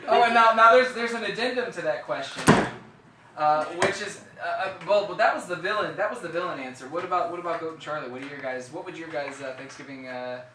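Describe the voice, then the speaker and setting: A man's voice: fairly high pitch, quick pace, distant mic, a crowd in the background. A man hosting a casual group talk, rambling with lots of fillers and restarts. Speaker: podcast host reading viewer questions. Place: radio studio. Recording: roomy studio audio from off-mic.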